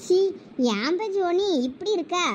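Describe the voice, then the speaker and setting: A woman with a Thoothukudi Tamil accent performing a village comedy skit, scolding and bantering with a quick temper. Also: extremely high pitch, animated, slight background noise. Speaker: comedy sketch creator.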